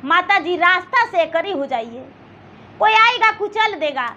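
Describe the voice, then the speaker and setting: A humble, poor village carpenter, played by a woman storyteller, caring and respectful. The folk-tale voice is very high and bright, with slow delivery. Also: animated, lo-fi sound, exaggerated voice.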